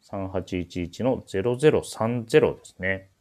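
Very low-pitched man, polite radio chat. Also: moderate pace, darkish tone. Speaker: host of a menswear shop radio show. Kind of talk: casual radio-style talk introducing clothes.

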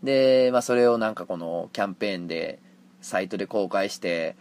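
A man with a Kansai accent talking casually on his own podcast, reading listener mail and often acting out quick exchanges. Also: lowish voice. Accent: Kansai Japanese. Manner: animated, jumps into acted quotes. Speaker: podcast host. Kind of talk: casual solo talk radio.

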